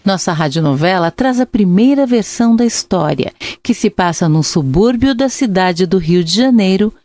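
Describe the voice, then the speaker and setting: A woman's voice: medium pitch, animated, normal speed, dark tone. A woman with a Brazilian accent, hosting a radio programme with scripted introductions and questions. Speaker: radio host.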